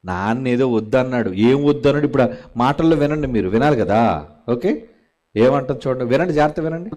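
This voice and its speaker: A man's voice: mid-range voice, expressive, fairly quick, darkish tone. A man preaching a sermon in a scolding tone, firing off rhetorical questions at his listeners.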